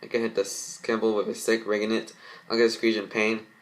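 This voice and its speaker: A man's voice: fairly low pitch, little pitch movement, fast, low-quality recording. A man reading a cartoon fan story aloud as an amateur narrator, stumbling now and then over his words. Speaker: fan fiction reader.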